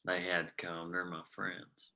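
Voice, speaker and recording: A man's voice: low voice, monotone, unhurried, bright, forceful tone, heavily acted. A man playing an earnest, self-doubting labor leader and husband in a script table read. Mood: earnest, tender.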